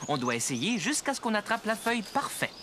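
An actor playing a patient, encouraging young father in a children's cartoon, gentle and reassuring with lively delivery. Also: sits high, a little fast, slight background noise, full character voice.

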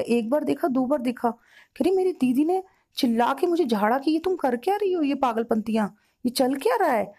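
A woman's voice: high voice, dark tone. A woman, a spiritual counselor, retelling a client's story at length in reported speech, with emotional repetition.

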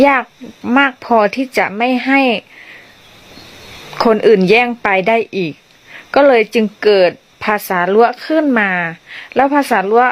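A woman whose first language is Lawa, from northern Thailand, giving a chatty, friendly language lesson with polite endings. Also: on the high side. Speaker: language teacher vlogger. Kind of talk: casual vlog lesson.

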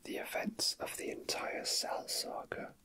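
This is whispered ASMR from a male video creator: soft, breathy, casual chatter alongside read-out facts. His pace is slow and unhurried, with some hesitation.

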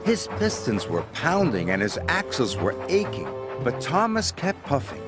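An older man with an American accent narrating a children's story in a warm, expressive storybook manner. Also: mid-range voice, normal speed. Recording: narration with music underneath. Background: music.

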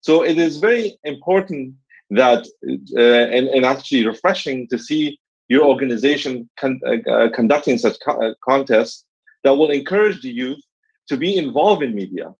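A friendly man in his forties speaks over a video call, and the audio is somewhat dull and lo-fi. His pitch is ordinary, and he pauses often with "uh" as he talks through his remarks. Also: lively intonation, husky. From Afghanistan, raised in Los Angeles. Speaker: guest speaker. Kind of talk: online ceremony remarks.

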